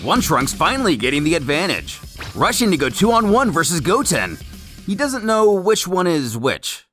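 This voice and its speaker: Animated, higher-pitched male story narrator. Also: moderate pace, soft background music. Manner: theatrical, wordy storytelling. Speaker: narrator of a comic recap series. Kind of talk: scripted narration, story recap.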